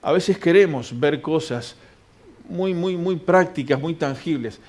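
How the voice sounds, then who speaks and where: A man's voice: a little high, a little slow, darkish tone. A man preaching a sermon in a church, reading scripture aloud and answering his own questions.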